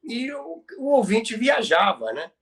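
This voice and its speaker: A man's voice: extremely high pitch, big pitch swings, slow, creaky, a bit bright. A Brazilian man telling radio history conversationally as a podcast presenter, explaining things emphatically and repeating key phrases for effect.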